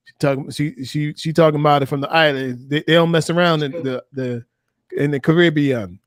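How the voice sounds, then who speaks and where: A man hosting a casual panel discussion, talking in a relaxed, chatty way and reading out viewer comments. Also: on the high side, dry recording, studio quality. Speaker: host.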